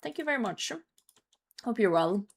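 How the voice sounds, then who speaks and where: A woman's voice: mid-range voice, animated, moderate pace, a crowd in the background. Hungover woman streaming a game, sweary. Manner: sweary, reacting to chat and game. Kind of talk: casual live stream chat with gameplay commentary.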